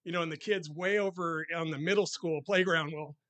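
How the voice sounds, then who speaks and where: Loud, excited man preaching. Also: on the high side, fairly quick, dry recording. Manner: loud, excited, reads scripture with rising force. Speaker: lay preacher. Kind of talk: sermon with scripture reading. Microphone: handheld or stand mic.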